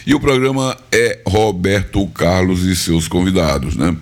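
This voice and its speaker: A man from northeastern Brazil, hosting a live radio music show, slightly hoarse and chatty, repeating details for listeners. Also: low voice, a little slow. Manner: chatty, repeats phone numbers and tags lines with "viu?" and "né?". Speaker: radio host. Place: radio studio.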